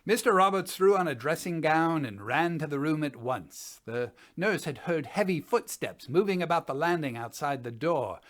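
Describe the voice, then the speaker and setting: A man in his sixties playing a sober, methodical gentleman scientist, reading a formal report deliberately as a dramatic piece. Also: on the high side, animated, natural voice. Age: 60s. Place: indoors, small study.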